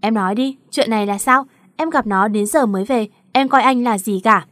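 A woman's voice: on the high side, normal speed, fairly bright tone, no echo, clean studio sound, natural voice. A woman voicing a cold, curt young husband who is also a boss, in a read-aloud story. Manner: curt and dismissive.

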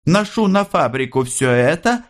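A man voicing an older working-class mother, proud and plainspoken, his voice raised high. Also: slow. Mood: sly.

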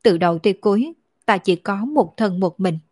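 A woman's voice: mid-range voice, animated, a little mellow, no room sound, clean studio sound, lightly acted. A woman reading as a grieving orphan girl. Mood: sorrowful. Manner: slow, grieving, choked delivery. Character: lonely orphaned young woman, sorrowful and tearful.

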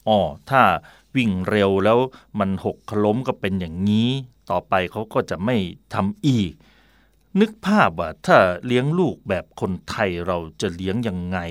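A middle-aged man from Thailand hosting a radio talk show, telling stories in a lively way and acting out the voices he quotes. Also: mid-range voice, no room sound, studio quality. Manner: animated storytelling, acts out quoted voices. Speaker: radio host.

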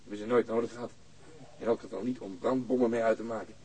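An actor playing a brisk, sardonic police detective in a radio drama, terse and dry in his delivery. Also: lowish voice, fairly even intonation, darkish tone, breathy edge. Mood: dry, curious.

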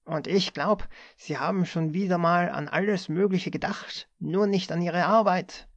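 A brusque young office chief barks his reprimands in a sharp, rasping voice, pitched high and loud, as a male reader puts him on. The sound is dry and a little dull. He rarely lets up, each phrase snapped out like an order. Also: unhurried, no room sound. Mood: angry scolding. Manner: barks and scolds in a high strained shout.

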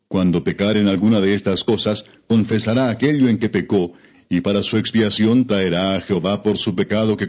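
A man reading scripture as an audiobook narrator, in a solemn, formal and measured scripted delivery. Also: on the low side, darkish tone, muffled recording.

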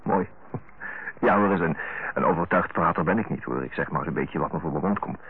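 A man's voice: extremely low pitch, a little fast, slightly rough, full character voice. A male actor playing an earnest, affectionate middle-aged younger brother in a radio drama, speaking hesitantly and correcting himself as he searches for tactful, frank words. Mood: hesitant, coaxing. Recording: tinny narrow-band old radio recording.

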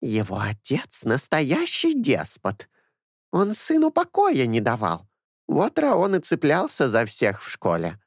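A man's voice: medium pitch, wildly swooping pitch, slow, creaky, no room sound, clean studio sound, pitched above the performer's own voice, exaggerated voice. A man voicing a talkative old woman in her sixties, a former caretaker who rambles fondly and confidingly.

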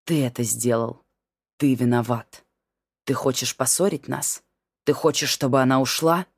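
A woman reading as a calm, stubborn middle-aged husband who speaks in a steady, tired and curt manner. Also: extremely low pitch, normal speed, husky, no echo, studio quality, pitched below the performer's own voice, heavily acted. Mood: stern.

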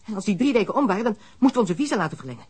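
An actor in a radio drama playing a smuggler who confesses under police questioning, frank and matter-of-fact. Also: male voice, high-pitched, expressive, racing, a little mellow, slightly rough. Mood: tense. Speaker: suspect.

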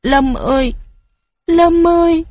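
A woman doing a high, tearful village mother. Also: slow, no room sound, clean studio sound. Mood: sobbing. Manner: calling out loudly, sobbing. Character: tearful village mother calling her son.

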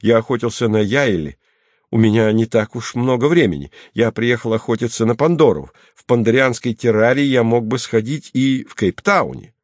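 A man voicing an excitable, easily offended male hunter who talks loudly and pompously. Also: moderate pace, no echo, clean studio sound, lightly acted. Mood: indignant. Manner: loud, indignant, higher-pitched.

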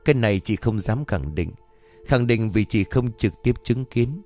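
A man reading a story and voicing a thoughtful woman who speaks in a measured, cautious way. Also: fairly low pitch, animated, dark tone, soft background music, lightly acted.

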